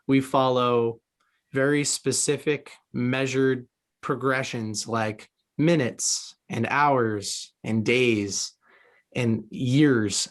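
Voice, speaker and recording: A man from the United States hosting a conversational podcast interview, musing reflectively at length. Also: mid-range voice.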